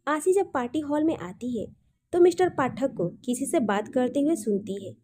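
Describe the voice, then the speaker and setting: A woman's voice: sits high, expressive, normal speed, warm tone, a little hiss or hum. A woman narrating a scripted romantic drama as an audio storyteller.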